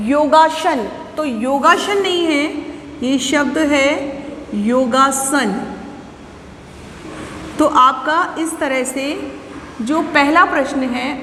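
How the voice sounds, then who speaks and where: A woman with a fairly high voice teaches children, explaining each point patiently and answering her own questions. She sounds like she is in a classroom. The recording is roomy, with a long reverb tail and faint ambient noise behind her. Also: a bit bright. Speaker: school Hindi teacher.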